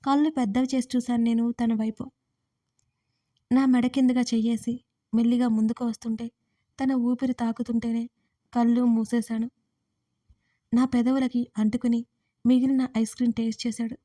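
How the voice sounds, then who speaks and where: Casual: woman telling a love story in first person, soft and intimate, kinda high but mellow. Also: little pitch movement, normal speed, pauses often, no echo, studio quality. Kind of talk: first-person romance audio story narration.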